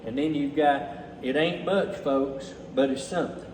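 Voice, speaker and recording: A man with a Southern US accent and a slightly high voice speaks in a plain, folksy manner. His delivery is casual and unscripted, as if explaining things to viewers. The recording is strongly echoey, with faint noise behind him. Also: fairly even intonation, normal speed, a little mellow. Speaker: relief effort organizer presenting donations. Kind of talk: casual unscripted talk to camera. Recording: echoey, distant mic, faint background noise.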